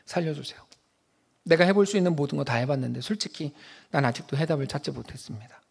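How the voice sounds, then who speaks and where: Pastor voicing a broken, begging man from scripture; quiet and low. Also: animated, fast talker, gravelly, husky, heavily acted. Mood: pleading. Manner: hushed, lower and softer than his preaching. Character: desperate biblical patriarch man pleading.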